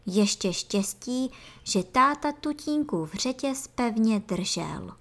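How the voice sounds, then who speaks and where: Woman reading a children's story. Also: on the high side. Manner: expressive storybook narration. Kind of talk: reading a children's book aloud.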